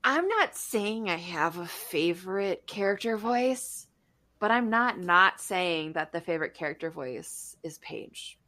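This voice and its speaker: A woman's voice: lowish voice, animated, a little slow, bright, forceful tone. A woman co-hosting a podcast in casual chat, with an informal, playful way of talking. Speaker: podcast co-host.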